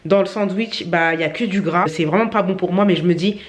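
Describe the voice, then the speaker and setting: A woman's voice: lowish voice, a little fast. A young woman vlogging at home, talking to her viewers in a chatty, upbeat, slangy way into a handheld phone. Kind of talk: casual vlog chat. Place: at home, indoors.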